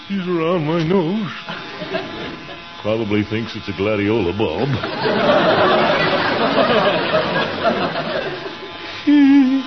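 An actor playing a pompous, easily flustered middle-aged man in a 1940s radio comedy, his voice jumping to squeaks when he gets annoyed. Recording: dull, noisy old radio broadcast.

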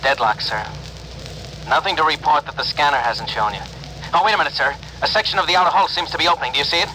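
An actor playing an earnest young male communications officer in a 1950s radio drama, quick and deferential to his captain. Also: a little high, sharp tone. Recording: noisy old radio broadcast.

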